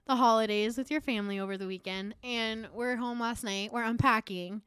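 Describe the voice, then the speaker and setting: A woman's voice: a little high, fairly even intonation, a little fast, a bit bright, smooth, dry recording. A woman co-hosting a sports podcast in a casual, conversational style. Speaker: podcast co-host. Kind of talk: casual fantasy football podcast chat.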